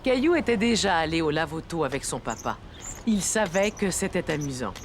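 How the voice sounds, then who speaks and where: A woman's voice: deep voice, lively intonation, fairly quick, over music. A woman narrating a French children's cartoon as a scripted storybook tale.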